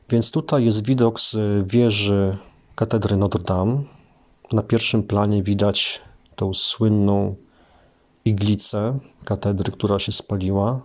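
A man's voice: fairly low pitch, darkish tone. A man teaching French vocabulary in a casual spoken lesson, explaining things unhurriedly with hesitant fillers.

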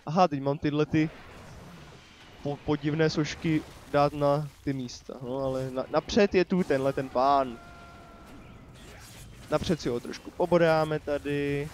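A man's voice: fairly high pitch, steady tone, long pauses, a little mellow, a little hiss or hum. A man casually commenting on his own gameplay, chatty and joking, talking to the enemies on screen. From Czechia. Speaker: let's play commentator. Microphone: desk microphone.

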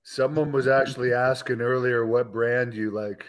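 A man's voice: medium pitch, steady tone, moderate pace. A man in his thirties hosting a casual interview, chatting with a guest over a video call. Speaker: podcast host.

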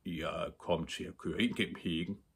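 A man's voice: on the low side, very animated, a bit bright, husky, heavily acted. A man voicing a grumpy, sensible schoolboy who mumbles and grumbles, in a storybook reading. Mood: grumbling.

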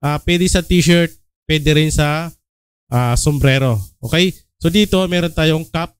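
A young Filipino man hosts a relaxed, screen-recorded design tutorial, his voice slightly high, slightly slow, and smooth, with no echo. He talks comfortably, peppering his speech with "ah" fillers and frequent "okay?" check-ins.

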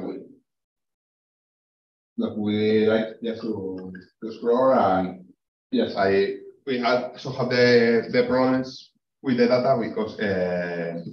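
Halting guy presenting, slow, echoey room from far off. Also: on the low side, a little hiss or hum. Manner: halting, hesitant, many fillers. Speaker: presenting researcher. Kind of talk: academic presentation and answers. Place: lecture room. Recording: echoey, distant, dull room recording.

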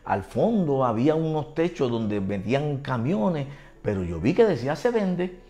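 A man with a Puerto Rican accent preaching a sermon, telling stories in an animated, colloquial way. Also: normal speed. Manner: animated, colloquial, drops to deep low tones for emphasis. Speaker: pastor. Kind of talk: sermon with storytelling.

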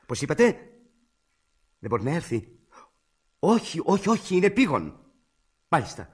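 A man playing a fussy, flustered bachelor brother in a comic radio play, excitable and husky. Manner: excitable, jumps between high and low pitch. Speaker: brother caring for a foundling baby.

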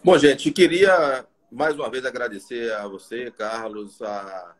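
A man's voice: medium pitch, a little slow. A middle-aged man with a Brazilian accent speaking as a consultant on a live video call, motivational and emphatic, in short phrases. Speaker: restaurant consultant, guest. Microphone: video call, device close in front.

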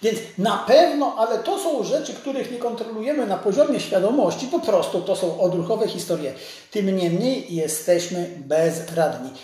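Man in his sixties, high voice, informal live-stream talk, conversational explainer, very heavy canyon-like echo, empty hard-walled room. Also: lively intonation, moderate pace, mellow. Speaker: doctor hosting a live stream. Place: large, empty, hard-surfaced dental office.

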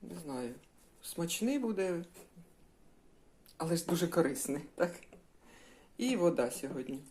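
A woman's voice: lowish voice, sing-song, unhurried, mellow. An older woman chatting in a homely way while she cooks breakfast, addressing her viewers as girls. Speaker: cooking vlogger. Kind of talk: casual cooking vlog.

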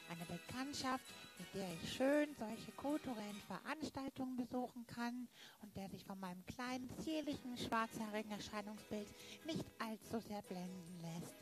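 Woman acting a prim young woman, highish, over music. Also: natural voice. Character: prim young woman, 25, introducing herself to suitors. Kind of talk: improvised radio play acting. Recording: clear music under the voice.

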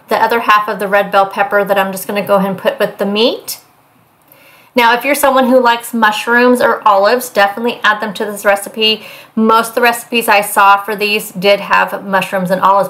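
A young woman talks her way through a meal prep in a home kitchen. Her delivery is loose and chatty, full of ums and side comments, at a mid pitch. The sound comes off a camera mic in the room. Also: a bit bright. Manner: chatty, rambling with fillers. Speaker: cooking vlogger. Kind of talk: casual meal prep narration.

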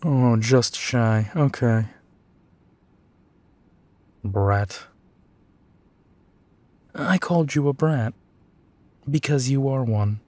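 Tired, teasing male detective, played by a male actor, audio roleplay, slow delivery, dry recording. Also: medium pitch, a little mellow, no room sound. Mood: amused teasing. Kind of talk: intimate detective roleplay acting.

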